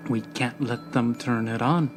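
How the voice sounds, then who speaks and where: A man's voice: mid-range voice, fairly even intonation, a little slow, music in the background, lightly acted. Man voicing a brash, exasperated woman ship owner. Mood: wary. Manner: blunt, colloquial, sardonic.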